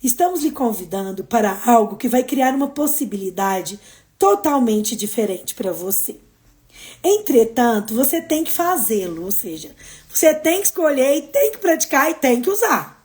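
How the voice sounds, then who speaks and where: Brazilian woman live-stream host, high register, expressive motivational chat. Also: moderate pace. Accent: Brazilian Portuguese. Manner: expressive, swings between emphatic and soft. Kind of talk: casual motivational live talk.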